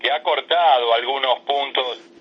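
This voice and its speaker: A man's voice: mid-range voice, a little slow, breathy edge, lo-fi sound. A man interviewing a guest on the radio, speaking fluently and steadily.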